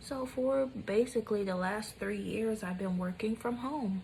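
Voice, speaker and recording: A woman talks at a fairly slow pace in an animated tone, with audible room echo around her. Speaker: lifestyle vlogger. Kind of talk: casual vlog monologue. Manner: animated, filler-heavy.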